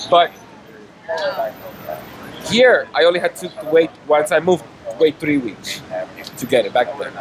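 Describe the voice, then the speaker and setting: A man in his thirties, a disability rights activist, speaking earnestly and insistently in a street interview outdoors. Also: a little high. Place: city street outdoors with traffic. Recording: street traffic noise behind. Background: traffic and city ambience.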